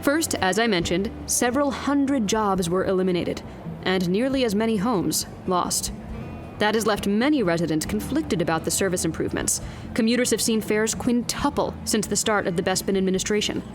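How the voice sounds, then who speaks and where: A woman playing a wry, exasperated field news reporter in an audio drama, speaking in a crisp, pointed broadcast style. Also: mid-range voice, expressive, normal speed, music in the background, lightly acted. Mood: brisk, pointed.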